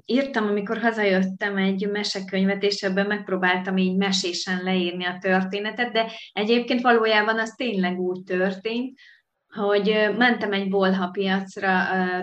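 A woman being interviewed, telling stories in a lively way with some filler sounds. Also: medium pitch, highs cut off. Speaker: guest. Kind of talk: conversational interview. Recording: echoey room.

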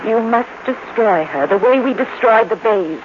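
An actress playing a possessive, unstable housewife with an intense, deliberate, commanding delivery in a 1950s radio drama. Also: female voice, a little high, expressive, lightly acted. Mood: jealous, menacing. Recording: dull noisy old radio recording.

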